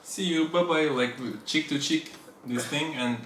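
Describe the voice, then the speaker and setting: Man in his twenties with a Turkish accent, teasing and halting co-host; echoey room. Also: on the high side, a bit bright. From eastern Turkey. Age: 20s. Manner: teasing, halting second-language English. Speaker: co-host, boyfriend. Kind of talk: casual couple Q&A chat. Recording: echoey room with faint noise.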